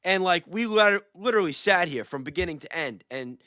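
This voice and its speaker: A man hosting a casual livestream chat, talking excitedly and repeating phrases for emphasis. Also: high-pitched, fairly quick, no echo, clean studio sound. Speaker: livestream host with a small channel.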